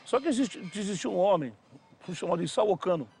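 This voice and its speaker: A man telling anecdotes in a brisk storytelling manner in a documentary interview. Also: high-pitched, lively intonation, gravelly, darkish tone, slight background noise.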